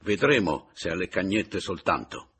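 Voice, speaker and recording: A man reading an audiobook, voicing a proud, hot-tempered male painter who speaks loud and threatening. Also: deep voice, sing-song, normal speed, breathy edge, full character voice.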